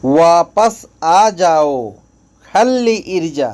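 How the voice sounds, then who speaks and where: A man teaching spoken phrases, saying each one slowly and repeating it before explaining its meaning. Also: fairly high pitch, lively intonation, a little mellow. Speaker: language teacher. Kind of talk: slow spoken language lesson.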